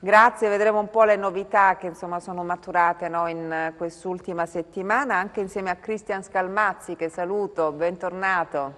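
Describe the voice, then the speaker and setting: A woman presents a live talk show. Her voice is very deep for a woman. It rings with a long hall-like reverb. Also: fairly even intonation, moderate pace, few pauses, a bit bright. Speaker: presenter of a call-in programme.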